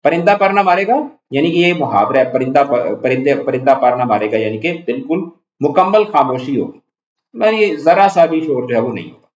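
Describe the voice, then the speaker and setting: A man's voice: medium pitch, lively intonation. A man teaching a class lesson, reading a text aloud and explaining hard words in simpler ones. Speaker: Urdu teacher. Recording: echoey room, dull lo-fi sound.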